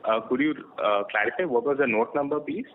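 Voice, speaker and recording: A man with an Indian accent answering as a company finance executive on an earnings call, hesitant, often pausing and correcting himself. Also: mid-range voice. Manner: halting, hesitant, many pauses and self-corrections. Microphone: conference phone call. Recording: narrowband phone line with faint noise.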